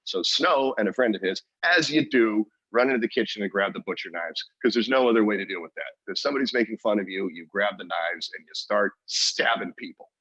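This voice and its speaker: A man's voice: on the low side, animated, brisk, hardly any pauses, fairly bright tone, slightly rough, no echo, muffled recording. A man co-hosting a podcast, telling a story in casual chat with lots of restarts and fillers. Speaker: podcast co-host.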